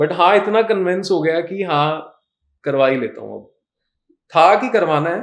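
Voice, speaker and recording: A man speaks with a Punjabi accent at a fairly high pitch. His intonation is lively. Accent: Punjabi touch in his Hindi. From Punjab, India (Patiala). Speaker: hair transplant patient, comedy video creator. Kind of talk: testimonial interview. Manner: casual, mixes Hindi with English.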